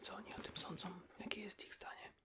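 A man whispers softly and intimately, in an unhurried ASMR chat as if to a friend. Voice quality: soft breathy whisper. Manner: hushed, intimate, unhurried, addressing the listener as a friend. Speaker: ASMR creator, host.

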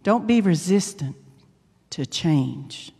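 A woman with a lowish, soft-toned voice leads a guided meditation as a minister. She phrases deliberately and soothingly, leaving long gaps. Her words ring in a long reverb. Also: lively intonation, husky. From United States. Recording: long reverb, music behind. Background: instrumental meditation music.

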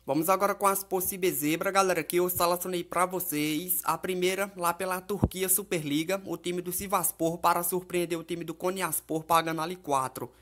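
A man's voice: high voice, fairly even intonation, normal speed, hardly any pauses, fairly bright tone. A Brazilian man presenting casual football betting commentary as a tipster, talking to viewers in a familiar, colloquial way. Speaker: sports betting tipster and host.

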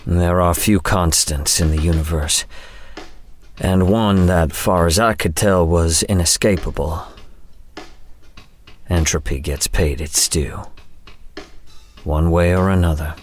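Very deep, world-weary brooding man. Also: steady tone, a little hiss or hum. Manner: deliberate, brooding, wry. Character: world-weary older male agent, brooding, wary, noir-like. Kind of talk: audio drama noir monologue.

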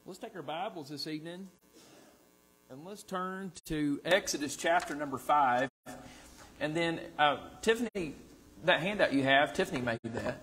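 A man's voice: on the high side, normal speed, a bit bright, low-quality recording. A man in his thirties with a Southern US accent, teaching a church Bible study in a casual way with many fillers and restarts, recorded from the pews. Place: church sanctuary. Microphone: far camera in the pews.

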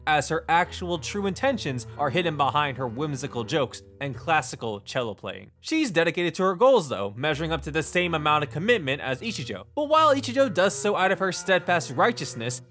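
Guy doing a scripted game review, really animated and dramatic, wry asides, music playing underneath. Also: a little high. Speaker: video game reviewer, channel host. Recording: voice-over with music behind. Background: background music.

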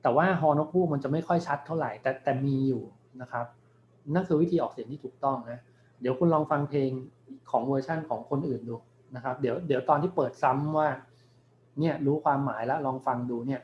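A man's voice: mid-range voice, slight background noise. Man lecturing patiently in dull lo-fi sound. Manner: explains patiently, thinking aloud with many polite particles; reads English song lyrics and words slowly for students. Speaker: university lecturer. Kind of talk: recorded online class lecture.

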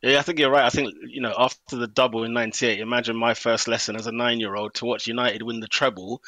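A man in his thirties, a stadium announcer guesting on a podcast, telling stories in a quick, animated way. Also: mid-range voice, no room sound. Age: 30s. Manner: quick, animated storytelling with laughs. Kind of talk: conversational interview.

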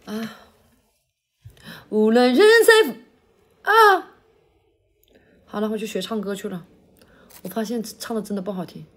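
A woman hosting a livestream, chatting casually with viewers between songs, her throat feeling blocked and a little hoarse. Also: mid-range voice, fairly even intonation, a little mellow. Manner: sings then chats quickly to viewers, self-deprecating. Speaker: livestream host. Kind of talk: casual livestream chat and singing.

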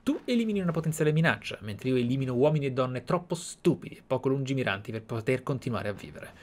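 A man's voice: medium pitch, expressive, fast. A man with an Italian accent commentating on a video game, with theatrical delivery and reflective asides. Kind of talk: game commentary with read-aloud in-game letters.

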